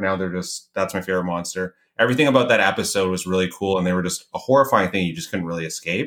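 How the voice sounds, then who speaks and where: A man speaks with a Canadian accent and a fairly low pitch. His pace is very fast. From Canada. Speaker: screenwriter and horror website runner. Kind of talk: casual chat.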